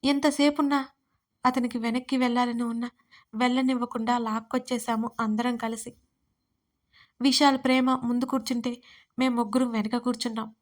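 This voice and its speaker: Young female storyteller, high pitch, flat delivery, emotional first-person audio story. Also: moderate pace, long pauses. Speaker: writer and narrator. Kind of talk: storytelling narration.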